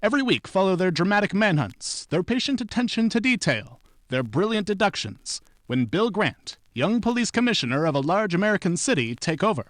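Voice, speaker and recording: Casting: man as polished old-time network announcer, high-pitched and swooping, dry sound. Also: very animated, brisk, few pauses, a bit bright, dry recording. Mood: brisk, promotional. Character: polished, enthusiastic male 1940s network radio announcer. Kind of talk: 1940s radio announcing.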